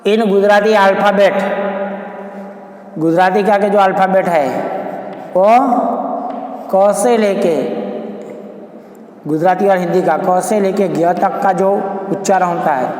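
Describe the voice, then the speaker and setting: A male teacher explains a grammar point, repeating each key term. He talks at a slow, measured pace in a fairly high voice. The recording rings with a long hall reverb. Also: steady tone, darkish tone. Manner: mixes English and Hindi, repeats key terms, slow deliberate explaining. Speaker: school English teacher. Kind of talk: classroom grammar lesson. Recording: very echoey room with long reverb.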